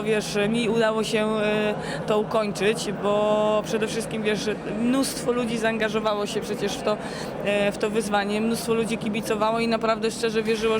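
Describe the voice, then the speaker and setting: A sleep-deprived woman athlete giving a casual interview, halting and searching for words. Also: medium pitch, heavy background noise. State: sleep-deprived after three days awake. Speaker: endurance swimmer being interviewed. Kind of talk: casual post-challenge interview.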